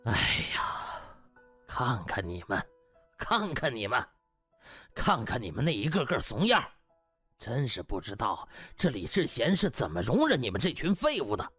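A man voicing a stern, disappointed old hospital director who scolds with contempt and drawn-out rhetorical questions in an audiobook. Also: mid-range voice, wildly swooping pitch, fairly bright tone, husky, no echo, soft background music, exaggerated voice. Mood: scornful, angry. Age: older.

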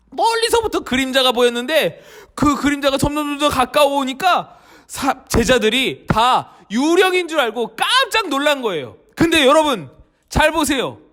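High-voiced animated children's storyteller man. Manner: animated, exclamatory, asks the children questions. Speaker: children's worship leader.

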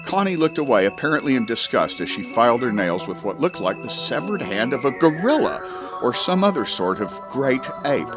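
A male narrator reads a comic story in the first person. His middle-pitched voice swings widely and expressively, leaning hard on words and stretching some out. Music plays behind him. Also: sing-song, normal speed. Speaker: audiobook reader.

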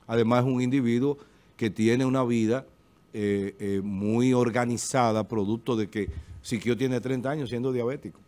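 A man's voice: medium pitch, fairly even intonation, moderate pace, a little mellow. A middle-aged man with a Dominican accent, giving emphatic political commentary as a TV panelist at a desk microphone. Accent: Dominican Spanish. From Dominican Republic. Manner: emphatic, gestures with hands, repeats filler eh. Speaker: panelist on a local TV talk show. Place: TV studio. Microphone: desk studio microphone.

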